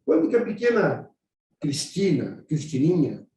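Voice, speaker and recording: A man's voice: a little high, very animated, a little slow, mellow. Man, interview host, chatty, rambling, roomy echo, distant mic. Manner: chatty, rambling questions with restarts. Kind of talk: online video interview. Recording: echoey room, voice from far off the mic.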